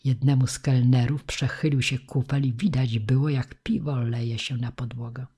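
A woman narrating an audiobook in a measured, expressive reading. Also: rumbling low, breathy edge. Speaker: audiobook reader.

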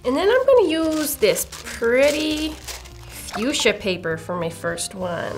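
A young woman hosting a children's craft tutorial, bubbly and playful with jokey asides. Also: on the high side. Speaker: kids' craft show host.

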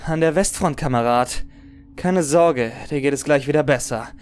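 Man playing trench soldier, smooth clear voice, brisk, familiar, reassuring, radio play. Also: fairly high pitch, soft background music, natural voice. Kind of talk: audio drama acting.

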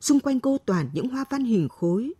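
A woman reading a late-night story aloud in a slow, gentle and expressive way, close to a studio mic. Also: high voice, husky, dry recording.

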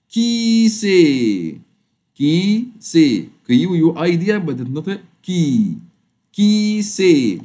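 A man with an Egyptian Arabic accent teaching a French lesson online, drawing the French phrases out slowly before explaining them. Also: medium pitch. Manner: fast, lively explaining, drawls French words out slowly.

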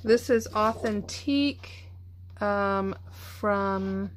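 A middle-aged woman chats through a casual craft vlog. She sounds tired but gushes with enthusiasm. A faint noise sits under her voice. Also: mid-range voice. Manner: chatty, enthusiastic, gushing. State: tired, yawning. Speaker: craft channel host. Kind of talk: casual show-and-tell vlog.

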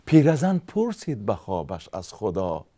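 A man's voice: on the low side, huge pitch swings, dark tone. A man with a Tajik accent reciting a long story poem in a chanted, rhythmic way. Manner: chanted, rhythmic, sing-song delivery. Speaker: narrator.

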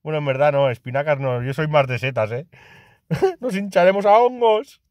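Young man, Spain Spanish accent, casual gameplay commentary, excitable, dry recording. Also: a little high, moderate pace, no echo. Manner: excitable, swears a lot, laughs often. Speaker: gaming youtuber.

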